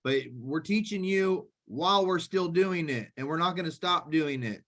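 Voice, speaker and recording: A man's voice: on the high side, fairly bright tone. A man co-hosting a live video call, speaking earnestly and directly, with a few restarts. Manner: earnest, direct, a little halting. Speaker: co-host.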